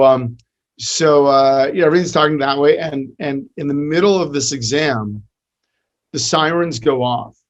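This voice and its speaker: A middle-aged man, a rabbi, talking in a podcast interview, telling stories and teaching with many restarts and fillers. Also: mid-range voice. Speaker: rabbi and podcast host, guest.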